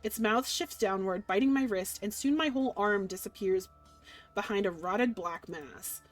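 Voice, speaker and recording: A young woman reading a dark visual novel aloud in dramatic first person, breaking off for giggly asides. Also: mid-range voice, moderate pace, faint music behind. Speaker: streamer playing a game.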